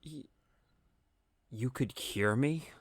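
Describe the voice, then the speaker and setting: A man's voice: medium pitch, extremely slow, no room sound, clean studio sound. An actor playing an ordinary man in a radio play, wary and skeptical, with a hesitant, incredulous delivery.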